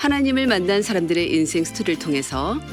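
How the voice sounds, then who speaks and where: A woman at a moderate pace with very wide pitch swings, music playing behind her. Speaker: evangelist, radio/TV program host. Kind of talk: program opening by host.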